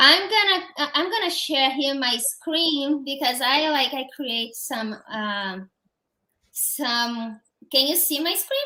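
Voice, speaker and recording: In a Portuguese accent, a woman projects a raised, high-pitched voice with a bright, sharp tone and lively intonation at a very slow pace. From Brazil. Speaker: affiliate marketer. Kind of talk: webinar training. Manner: halting, many fillers.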